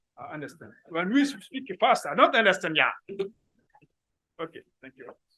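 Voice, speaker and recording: In a raised, projected voice, a man speaks at high pitch with a bright, sharp tone. His pace is moderate, with very wide pitch swings and big swings in loudness. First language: French. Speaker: professor presenting at a medical conference. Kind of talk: conference presentation and Q&A. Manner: halting.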